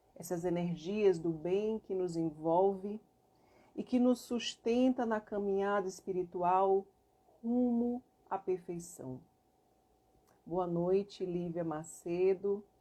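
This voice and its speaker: Soft-spoken, a woman talks at a very slow pace with long, frequent pauses. Her medium-pitched voice has a dark, mellow tone and ordinary pitch variation. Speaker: spiritist lecturer. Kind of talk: lecture; guided prayer. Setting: online live stream.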